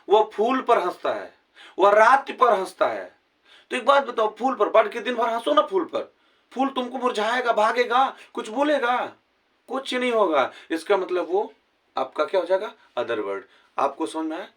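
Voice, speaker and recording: A man teaching a grammar lesson with a Hindi accent, his voice sitting fairly high. He keeps asking rhetorical questions to check that his students follow. The mic is set a little way back, so he sounds distant. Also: fairly bright tone. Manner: asks many rhetorical questions to check understanding. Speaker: English teacher.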